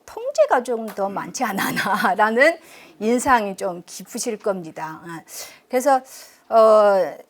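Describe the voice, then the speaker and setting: A woman's voice: medium pitch, very animated, unhurried. A middle-aged woman from China with a Chinese accent in Korean, lecturing chattily and self-deprecatingly, quizzing her audience and using many fillers. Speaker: university professor giving a public lecture. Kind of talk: public history lecture. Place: lecture room.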